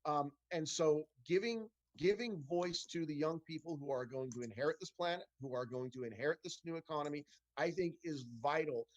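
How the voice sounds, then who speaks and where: A man's voice: a little high, fairly quick, dry recording, rough recording. Earnest middle-aged man on a video call. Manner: earnest, many restarts and fillers. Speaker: congressional candidate. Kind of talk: town hall Q&A answers.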